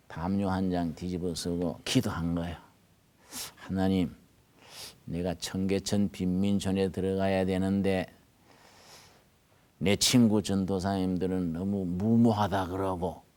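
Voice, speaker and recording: Older man, pastor, gyeongsang korean accent, folksy storytelling sermon, hushed asides, loud emphatic bursts. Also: deep voice. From North Gyeongsang, Korea.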